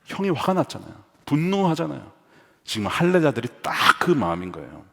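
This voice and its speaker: A male pastor preaching an animated sermon in a church sanctuary, mixing humor with rhetorical questions. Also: a little high, brisk, vocal fry. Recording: long reverb of a large hall.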